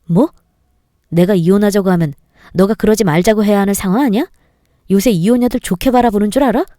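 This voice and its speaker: A woman's voice: medium pitch, fairly quick, mellow, dry recording, clean studio sound, lightly acted. A woman voicing an angry young husband who scolds his wife with indignant scorn. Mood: scornful.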